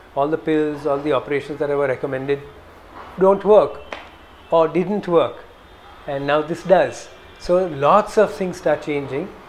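Long, frequent pauses from a man at a moderate pace, his pitch fairly high with ordinary variation, against noticeable background noise. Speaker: yoga teacher. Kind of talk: interview explanation.

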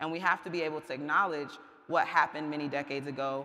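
His intonation fairly even, a man speaks with a fairly high pitch. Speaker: community archive director; panelist. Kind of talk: panel presentation. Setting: PA system on stage. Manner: casual, relaxed. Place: hall. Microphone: podium.

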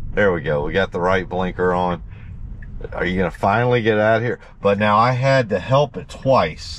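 The voice moves at a moderate pace with ordinary pitch variation, and the sound is dry with no echo. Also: man, fairly low pitch for a man. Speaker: ride host. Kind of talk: casual chat and commentary. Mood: relaxed, friendly. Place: car. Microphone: camera far.

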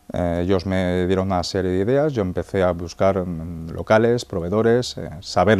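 Ordinary pitch variation runs through speech delivered in a dark, mellow tone. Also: man. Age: 40s. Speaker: toy shop owner. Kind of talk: interview. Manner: halting, with repetitions. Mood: calm, earnest. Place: shop. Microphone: lapel.

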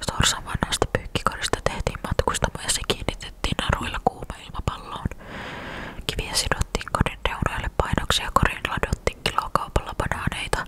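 A woman whispers in a calm tone at a moderate pace. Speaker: ASMR creator. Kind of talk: ASMR bedtime story reading. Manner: soft, calm. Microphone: studio mic.

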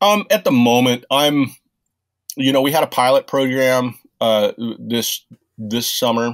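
A man's medium-pitched voice at a fairly slow pace with long, frequent pauses, dry and close with no echo. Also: ordinary pitch variation. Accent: American. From US Pacific Northwest, Seattle. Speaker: fishing guide and conservation scientist. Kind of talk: casual interview.

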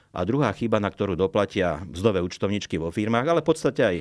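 The voice shows ordinary pitch variation against a quiet background. The sound is dry, with no echo. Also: man. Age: 50s. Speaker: former labour minister and tax expert; former labour minister. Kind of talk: interview. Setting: studio. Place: studio. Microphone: studio mic.

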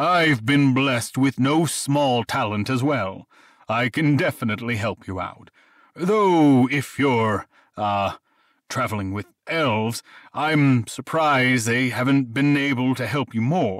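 Put-on character voice from a man, medium pitch, ordinary pitch variation, fairly slow pace. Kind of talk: audiobook character voice. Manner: warm, excitable, stammering.

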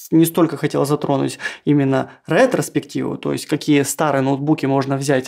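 A man keeps a moderate pace and fairly even intonation, the background quiet. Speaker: tech channel host. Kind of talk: casual vlog chat. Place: home room.

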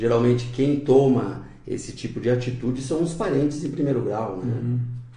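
A man speaks at a medium pitch and moderate pace with fairly even intonation. Audible room echo and faint background music surround him. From southern Brazil, raised in Lages, Santa Catarina; Santa Catarina, Brazil. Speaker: psychiatrist; guest. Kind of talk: TV interview. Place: studio.

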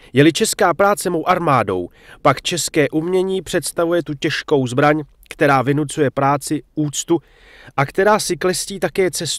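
Against a quiet background, a man speaks in a solemn tone at a fairly high pitch with ordinary pitch variation. His pace is moderate, and the sound is dry with no echo. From Czech lands. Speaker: government minister giving speech. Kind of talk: formal political speech. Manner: formal, declamatory, solemn. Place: hall.

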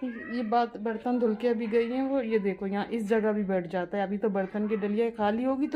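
A woman keeps a moderate pace, with light background noise behind her. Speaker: home vlogger. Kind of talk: casual vlog chat. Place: home room. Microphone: phone near.

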